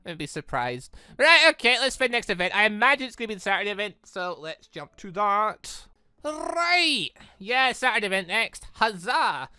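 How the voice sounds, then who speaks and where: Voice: mid-range voice, normal speed, clean tone, no room sound, studio quality. A gaming channel host giving casual, rambling playthrough commentary on a visual novel, exclaiming and reading bits of dialogue aloud. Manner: animated, exclaiming, rambling asides.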